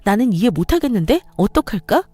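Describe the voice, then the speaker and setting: A woman's voice: mid-range voice, sing-song, a little fast, mellow, breathy edge, no echo, faint music behind. A woman voicing a fed-up young wife who argues back in a heated, raised voice. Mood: angry. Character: fed-up young wife, sharp-tongued and defiant.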